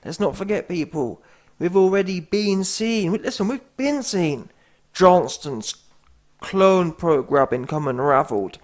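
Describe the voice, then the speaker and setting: A man's voice: high-pitched, expressive, unhurried. Mocking man with slangy banter. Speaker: YouTube host. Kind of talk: comedic reaction commentary.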